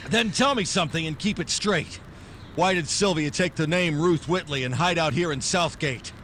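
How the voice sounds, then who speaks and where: A man's voice: fairly high pitch, moderate pace, a bit bright, slight background noise, natural voice. A man playing a tough, sardonic private detective in 1940s noir radio style, with clipped, threatening wisecracks. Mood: hard, scornful. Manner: clipped wisecracking, hard-edged delivery. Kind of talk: 1940s noir radio drama acting, first-person narration.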